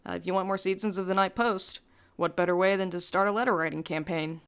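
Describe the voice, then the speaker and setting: A woman with a voice a little on the low side co-hosts a podcast. She talks in a casual, conversational Q&A style. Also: fairly even intonation, fast talker, clean tone. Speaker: podcast co-host and writer.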